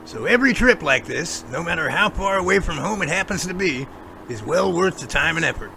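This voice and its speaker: A man playing an earnest, self-assured Bigfoot investigator in an audio drama, explaining things in measured, speech-like lines. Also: a little high, lively intonation, creaky, sharp tone, a little hiss or hum, full character voice, low-quality recording. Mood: earnest, reassuring. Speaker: actor in a Sasquatch audio drama. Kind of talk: amateur audio drama dialogue.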